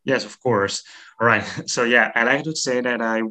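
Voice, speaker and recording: A man's voice: medium pitch, normal speed, sharp tone. A man in his twenties, a native Italian speaker, answering interview questions in a friendly, hesitant way with many fillers. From Italy. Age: 20s. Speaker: guest, language teacher and YouTuber.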